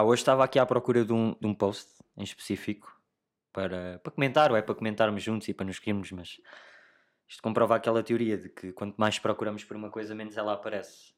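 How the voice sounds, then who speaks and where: A young adult man with a European Portuguese accent hosting a solo podcast in a casual, slangy chat, thinking aloud haltingly and addressing listeners directly. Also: lowish voice. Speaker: podcast host.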